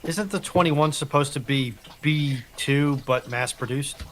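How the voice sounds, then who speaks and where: A man's voice: a little high, unhurried, a bit bright. A man on a live panel, chipping in conversationally with wry questions. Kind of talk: conversational interjections in live debate.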